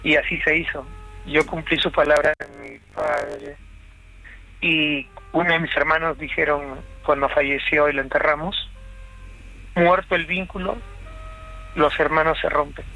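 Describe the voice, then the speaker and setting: A man from Chile calling in to a late-night radio show, telling a family story in a halting, reflective way. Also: fairly high pitch, steady tone, pushed and bright, poor audio. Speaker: caller.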